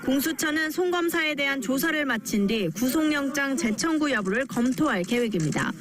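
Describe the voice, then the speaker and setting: High-pitched woman news reporter. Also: lively intonation, moderate pace, crowd noise.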